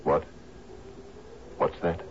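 An actor playing a grief-stricken sea captain in a 1970s radio drama, halting and repeating his words in disbelief. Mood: shocked, anguished. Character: grief-stricken male sea captain, devoted widower, anguished and commanding. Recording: dull noisy vintage radio broadcast.

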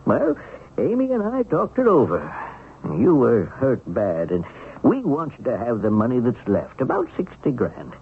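Husky, folksy old American schemer. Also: male voice, mid-range voice, huge pitch swings, moderate pace, heavily acted. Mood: coaxing. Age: older. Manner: folksy, coaxing, chuckling. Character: wily, folksy seventy-six-year-old pensioned bank-heist mastermind. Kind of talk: 1970s radio drama acting. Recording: muffled phone-like old radio broadcast.

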